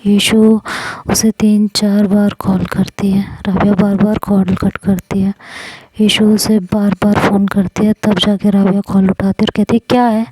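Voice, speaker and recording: A woman narrates an audio love story in a mellow, warm voice, close to the microphone in a dry room. Between the narration she acts out both sides of heated phone quarrels herself. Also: mid-range voice, little pitch movement, a little slow, slightly rough, dry recording, low-quality recording.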